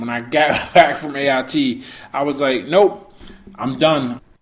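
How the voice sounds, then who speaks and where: The man's voice is fairly high, and his intonation is lively. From US, public housing project. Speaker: heavyweight boxer and physics student. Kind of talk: personal testimony interview. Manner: halting, repeats words.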